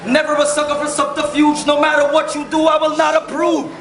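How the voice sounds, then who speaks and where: A man performing battle rap, shouting taunting rhymes at his opponent. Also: very high-pitched, monotone, fairly quick. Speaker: battle rapper. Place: live battle venue. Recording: echoey room, loud crowd and noise.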